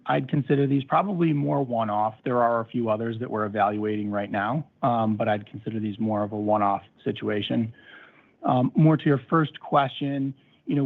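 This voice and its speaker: A man answering as a company executive in measured, conversational business talk over a muffled phone line. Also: medium pitch.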